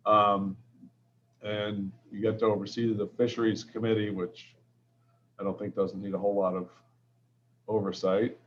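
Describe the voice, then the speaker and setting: A man with a Boston-area accent speaking at a town commission meeting, halting with many fillers. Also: lowish voice, level tone, slight background noise. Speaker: commission member. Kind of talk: casual meeting talk. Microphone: video call. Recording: muffled video call audio.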